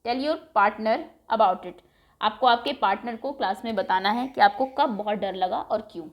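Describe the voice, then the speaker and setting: A woman teacher explaining an English lesson for young pupils, reading English lines slowly and then explaining them patiently in Hindi, repeating words aloud. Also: mid-range voice.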